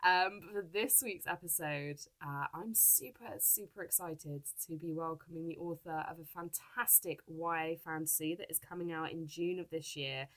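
A woman's voice: low voice, steady tone, moderate pace, hardly any pauses, a bit bright. A woman hosting a podcast interview, her voice stuffy from a cold, gushing and enthusiastic, laughing often. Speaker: podcast host. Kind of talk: casual interview chat.

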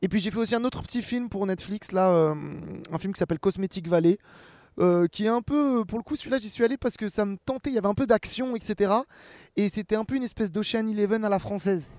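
A man in his twenties from France, an actor and rapper answering interview questions in a relaxed, rambling way with many fillers and restarts. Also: sits high, quick pace, dry recording, studio quality. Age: 20s.

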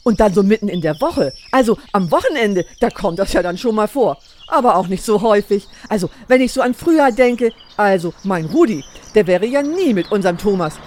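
A woman's voice: mid-range voice, expressive, fairly quick, few pauses, a little mellow, a little hiss or hum, lightly acted. A woman playing a chatty, intrusive elderly lady in a radio drama, gushing in an old-fashioned way. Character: chatty nosy elderly woman on a park bench.

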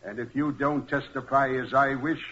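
A muffled old radio recording holds a man performing a smug male villain. The voice is bright and forceful. He gloats deliberately, scheming and coolly threatening. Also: mid-range voice, fairly even intonation, slight background noise, close to an everyday voice. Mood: gloating. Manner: smooth-talking, gloating, deliberate. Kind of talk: 1940s radio crime drama acting. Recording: muffled, dull vintage 1940s radio recording.

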